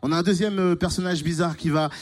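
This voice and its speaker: A male radio host keeps the live show moving with an upbeat, joking manner. His voice sits high, with faint music under it. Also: fairly even intonation, fast. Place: radio studio.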